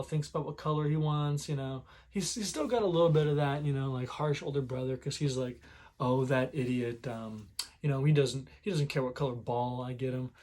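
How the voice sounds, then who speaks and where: A man retelling a manga chapter in casual commentary, rambling with many fillers and clearing a sore throat now and then. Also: a little high, a little mellow. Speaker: manga reviewer.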